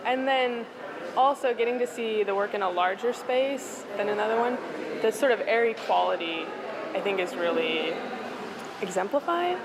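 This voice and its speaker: Woman interviewee, gravelly, lively, crowded room. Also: medium pitch, moderate pace, a crowd in the background. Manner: lively, hedging with "sort of".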